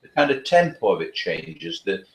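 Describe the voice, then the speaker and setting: A man giving earnest advice as a dog trainer in an interview, talking quickly with frequent restarts. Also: low voice, very animated, reverberant.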